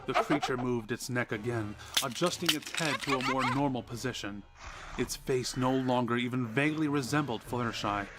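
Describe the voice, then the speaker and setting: A man's voice: mid-range voice, moderate pace. A man reading a horror story as a dramatic scripted narration. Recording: music behind the voice. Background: music.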